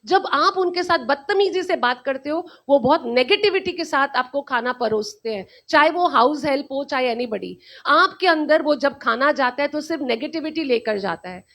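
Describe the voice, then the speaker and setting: High-voiced earnest woman giving a pep talk. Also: animated, moderate pace, hardly any pauses, a bit bright. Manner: earnest, preachy, repeats key phrases. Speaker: host. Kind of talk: motivational live-stream talk.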